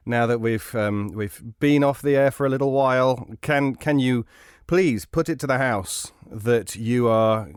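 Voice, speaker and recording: Male co-host, mid-pitched, very dry recording. Casual, wry, encouraging. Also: clear, resonant tone, dry recording. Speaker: podcast co-host and voice actor. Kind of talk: casual chat.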